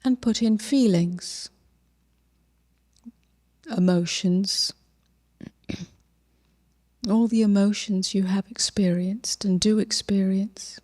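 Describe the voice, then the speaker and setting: A woman leading a guided meditation as a teacher, gentle and unhurried, with long pauses and soft, breathy phrase endings. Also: mid-range voice, fairly even intonation.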